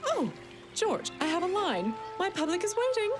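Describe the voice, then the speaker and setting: A woman's voice: very high voice, sing-song, moderate pace, over music. An actress playing a scheming businesswoman villain in a children's radio drama, affected and theatrical, falsely sweet and haughty. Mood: breezy, haughty.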